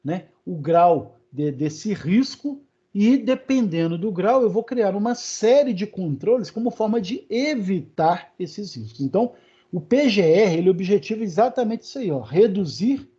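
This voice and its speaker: Brazilian male lecturer, husky mellow voice, loose conversational delivery, lo-fi video-call audio. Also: high voice, sing-song, unhurried. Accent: Brazilian Portuguese. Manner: conversational, many fillers and check-ins with students. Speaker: university lecturer. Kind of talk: live online lecture. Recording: dull, lo-fi online class audio.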